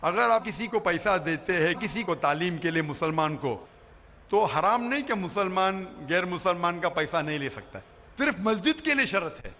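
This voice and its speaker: Emphatic high-voiced male preacher in a hall. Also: expressive, moderate pace, sharp tone, a little hiss or hum. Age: middle-aged. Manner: emphatic, explanatory, often asks "you understand?". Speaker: Islamic preacher answering audience questions. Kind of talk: public question-and-answer lecture. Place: huge indoor arena stage before a large crowd. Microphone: stand microphone. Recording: long hall reverb.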